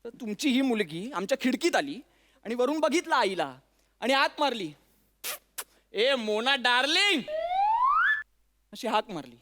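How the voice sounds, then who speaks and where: An actor playing an exasperated young newlywed son-in-law in a stage comedy sketch, complaining and pushing to be heard. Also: male voice, very high-pitched, very animated, a little slow, pauses often, full character voice. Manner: complaining, keeps interrupting to be heard. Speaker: comic actor. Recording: loud background noise.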